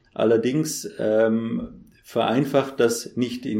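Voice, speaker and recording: A man with a South Tyrolean accent talks at a medium pitch. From South Tyrol, Italy. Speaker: professor. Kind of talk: interview.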